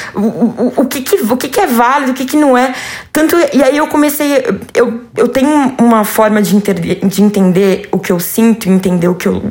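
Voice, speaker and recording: At a moderate pace, a woman with a fairly high voice speaks with lively intonation. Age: 30s. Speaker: psychiatrist and artist. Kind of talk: casual chat.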